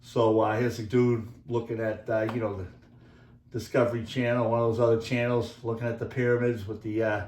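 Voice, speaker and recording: A man's voice: mid-range voice, level tone, darkish tone, slight background noise. Rambling Boston man in an echoey room. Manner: rambling, halting, filler-heavy. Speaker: video creator and author. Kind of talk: casual monologue over slides.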